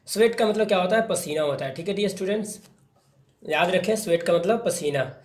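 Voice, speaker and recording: A man teaching an English textbook story, reading the English lines slowly and explaining them in a chatty way with many fillers. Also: high-pitched, echoey room.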